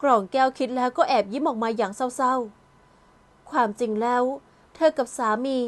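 High-voiced woman narrating an audio novel. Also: fairly even intonation, moderate pace. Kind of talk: scripted narration.

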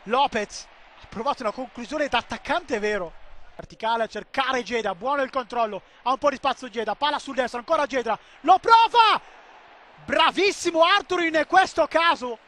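A man giving excitable live football commentary, swinging between clipped calls and drawn-out shouts. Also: extremely high pitch.

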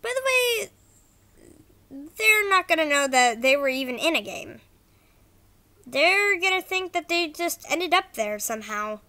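A woman's voice: high-pitched, big pitch swings, a little slow, long pauses, pushed and bright. A woman narrating informal scripted announcements as an animation creator, stumbling a little over her words.

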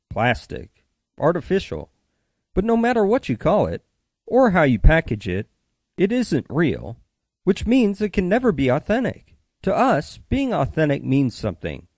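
A man's voice: fairly high pitch, huge pitch swings, a little slow, a little mellow, no room sound, studio quality. A middle-aged man reading scripted commercial narration in a polished, earnest way with emphatic phrasing. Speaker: voice-over artist.

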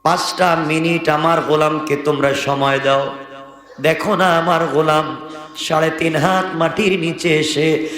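A man delivers an Islamic sermon in a high, forceful voice. He stretches his phrases slowly and rhetorically, acting out dialogue as he tells religious stories. Long reverb trails his words. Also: steady tone. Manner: impassioned, rhetorical, drawn-out delivery with acted dialogue. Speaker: Islamic preacher. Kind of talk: sermon with dramatized religious storytelling. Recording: echoey hall with long reverb.

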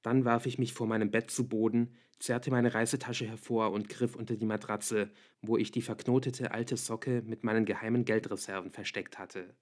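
A man narrating an audiobook in an even, measured reading. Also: lowish voice. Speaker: audiobook reader.

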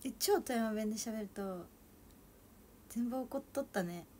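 A woman's voice: on the high side, measured pace, darkish tone, slight background noise. A young woman from Toyama with a Toyama accent, chatting casually with viewers on a livestream and giggling often. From Toyama, Japan. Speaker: idol livestreamer. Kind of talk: casual livestream chat reading comments.

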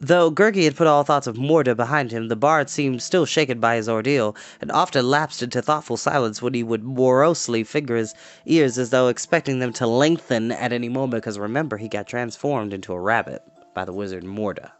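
A man's voice: mid-range voice, fairly quick. A man in his twenties hosting a storytime, reading a storybook expressively with casual asides. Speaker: storytime host and reader. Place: small home room, indoors.

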